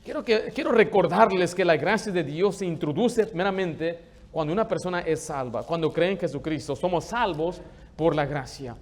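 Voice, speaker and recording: A man's voice: fairly high pitch, expressive, normal speed. A man preaching a sermon as pastor, asking rhetorical questions and quoting scripture.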